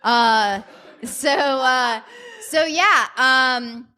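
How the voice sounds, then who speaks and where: High, bright-voiced woman hosting onstage. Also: extremely slow. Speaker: comedy troupe host. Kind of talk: casual live show introduction. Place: theater stage before audience.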